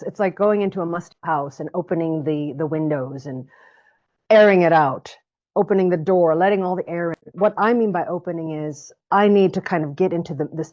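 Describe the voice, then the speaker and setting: A woman with a fairly low voice talks reflectively as an interview guest. She picks up phrases and repeats them while she thinks. The sound is dull and lo-fi. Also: a little mellow. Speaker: guest speaker coach. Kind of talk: interview conversation. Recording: muffled lo-fi recording.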